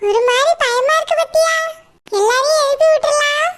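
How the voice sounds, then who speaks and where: Voicing a mischievous little village girl in a Tamil cartoon, a performer sounds playful and conspiratorial, with a southern Tamil Nadu accent. The character is one of the village girls plotting pranks at bedtime, in a mood of playful scheming. The voice is very high-pitched and a bit bright, at a moderate pace.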